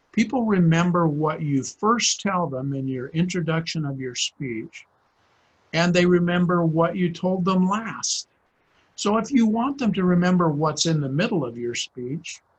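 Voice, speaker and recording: At a fairly slow pace, a man speaks in a high pitch with lively intonation. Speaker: trial lawyer and public speaking coach. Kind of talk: lecture.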